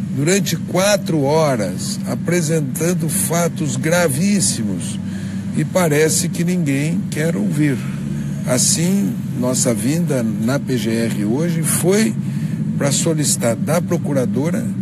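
Loud background noise fills the recording. A man speaks at a very slow pace. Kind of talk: press statement. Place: street. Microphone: handheld.

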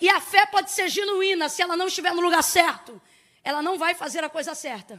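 A woman's raised, projected voice at an extremely high pitch, bright and sharp in tone, with ordinary pitch variation and a fairly quick pace against a quiet background. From Brazil. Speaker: missionary preacher. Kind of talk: evangelical Pentecostal sermon, exhorting a congregation about faith and scripture; sermon. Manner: emphatic, repeating phrases for effect; rhetorical questions, rising fervent pulpit cadence. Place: church. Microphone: handheld.

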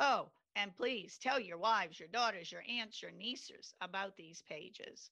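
A woman talks at a fairly slow pace with an American accent. Her tone is bright and sharp, and her intonation is lively. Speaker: amateur radio operator. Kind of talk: presentation. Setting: video call. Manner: upbeat.

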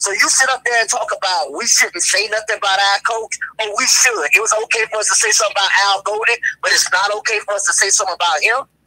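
Raised and projected, a man's high-pitched voice races at a very fast pace with ordinary pitch variation. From Miami. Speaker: caller, season ticket holder. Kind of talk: call-in rant. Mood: frustrated, opinionated. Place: home room. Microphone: webcam.

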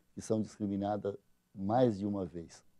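Against a quiet background, a man talks at a fairly low pitch with a dark, mellow tone. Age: 60s. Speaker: politician. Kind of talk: interview. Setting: studio. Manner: halting. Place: studio.

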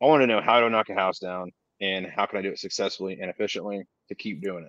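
Fairly low in pitch, a man talks at a fairly quick pace with fairly even intonation and an ordinary speaking voice. The background is quiet, and the sound is dry with no echo. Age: 30s. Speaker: demolition business owner, co-host; podcast co-host. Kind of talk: casual chat. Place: office. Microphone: video call.

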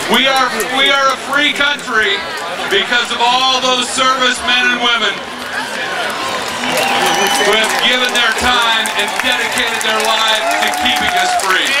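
Crowd noise fills the background as the speaker goes at a fairly slow pace with long, frequent pauses. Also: man. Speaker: event emcee. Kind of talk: announcement to crowd. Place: stage.

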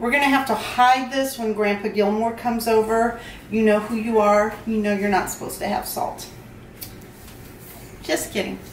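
A woman talks at a moderate pace with ordinary pitch variation. There is audible room echo and light background noise. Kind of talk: cooking tutorial. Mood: warm, playful. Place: kitchen. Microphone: camera far.

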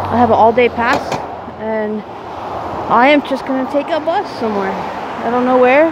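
A woman at a moderate pace with ordinary pitch variation, dry sound with no echo and noticeable background noise. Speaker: vlogger. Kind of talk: casual vlog chat. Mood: subdued, a bit low. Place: street. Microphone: earbuds.

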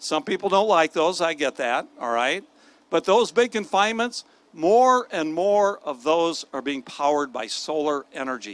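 Speaking at a moderate pace with a Midwestern American accent, a man uses a high voice that swings very widely in pitch. The recording is dry, without any echo. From Iowa, Sioux City. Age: 60s. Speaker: congressman. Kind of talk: political stump speech. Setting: outdoor stage at state fair with audience. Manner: folksy, halting with fillers. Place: stage. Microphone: handheld.

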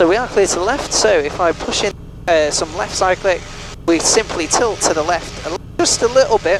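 Lively in intonation, a man speaks at a moderate pace in a dry recording with no echo and noticeable background noise. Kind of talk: tutorial. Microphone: headset.

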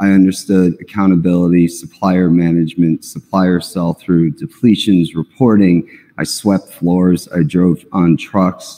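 A man's very deep, low voice with a dark, mellow tone, fairly even intonation, a moderate pace and an American accent, over a quiet background. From New Haven, Connecticut. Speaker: sales executive. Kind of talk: onstage conference interview. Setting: stage with audience. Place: stage.

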